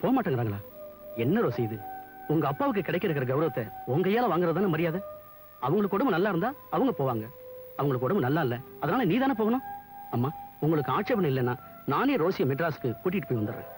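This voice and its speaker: A man's voice: fairly high pitch, big pitch swings, quick pace, a little mellow, faint music behind. An actor playing a polite, persuasive and confident young man in a 1980s Tamil film. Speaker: office worker.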